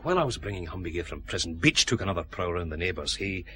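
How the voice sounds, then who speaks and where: An actor playing a gruff, wry detective inspector in a radio drama. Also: male voice, low-pitched, sing-song, racing.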